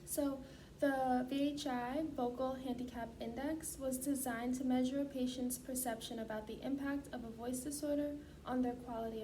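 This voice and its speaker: A woman with a high, mellow voice gives a clinical assessment in a formal, step-by-step way. She sounds some distance from the microphone, with background noise around her. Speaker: student speech clinician giving a voice assessment. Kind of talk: scripted clinical demonstration.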